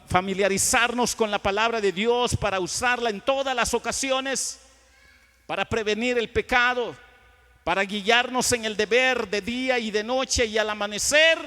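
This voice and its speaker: A male pastor with a Guatemalan Spanish accent preaching a sermon in a church, swelling to loud emphasis and dropping to quiet asides. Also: sits high. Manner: acts out dialogues with churchgoers. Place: church sanctuary. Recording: long church reverb.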